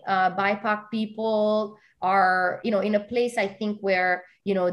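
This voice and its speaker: A woman raised in Italy, a guest in an interview, speaking earnestly at a middling pitch. She keeps her talk loose and conversational and leans on "you know" and "like" between her points.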